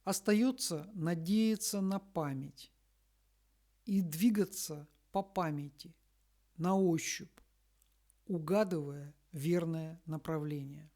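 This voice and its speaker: Slow, solemn woman reading scripture-like text. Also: deep voice, dark tone. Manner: measured, deliberate, with long pauses between short phrases. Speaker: spiritual messenger reading a message.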